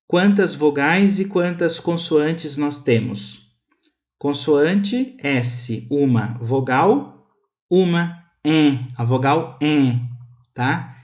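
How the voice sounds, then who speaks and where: A young Brazilian man giving an online phonetics lecture, saying example words slowly and carefully. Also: medium pitch. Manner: slow, careful, drawn-out pronunciation examples. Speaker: university language instructor.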